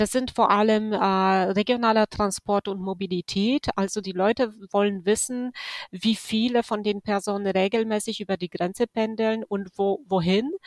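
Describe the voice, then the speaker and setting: At a moderate pace and with fairly even intonation, a woman talks in a Polish accent, the sound dry and close with no echo. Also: medium pitch for a woman, very clean recording, silent background. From southern Poland. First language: Polish (speaking German). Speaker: regional planning expert. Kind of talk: interview. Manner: hesitant, many fillers.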